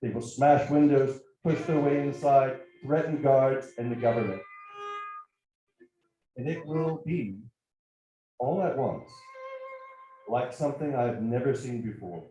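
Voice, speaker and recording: A man reading a first-person literary piece aloud at a live event, measured and reflective in his delivery. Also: mid-range voice, warm tone. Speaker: actor reading a writer's piece. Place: bar event space, indoors. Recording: very echoey room, faint music.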